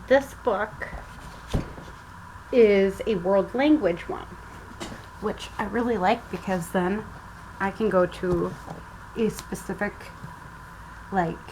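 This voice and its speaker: A woman with a mid-range, darkish voice narrates a laid-back craft tutorial at home, working at a table and slowly thinking aloud. She sometimes faces away from the camera mic, and the low-quality recording carries audible background noise.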